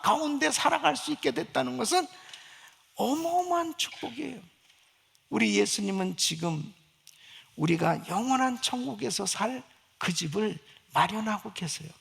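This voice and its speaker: Gravelly high-voiced preaching pastor. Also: male voice, expressive, moderate pace, fairly bright tone. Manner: fervent preaching with rhetorical questions to the congregation. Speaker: senior pastor. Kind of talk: Sunday sermon.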